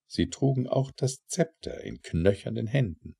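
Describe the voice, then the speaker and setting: A man narrating an audiobook of verse in a theatrical, declamatory manner with measured phrasing and pauses. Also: medium pitch, expressive, creaky, warm tone, breathy edge. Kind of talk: dramatic recitation of satirical verse.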